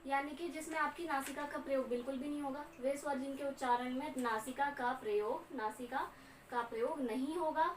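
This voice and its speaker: A young woman teaching Hindi grammar in a slow, repetitive classroom lecture, often checking in with her students. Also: high voice, fairly even intonation, far from the mic. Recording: echoey room, voice off-mic with faint hum.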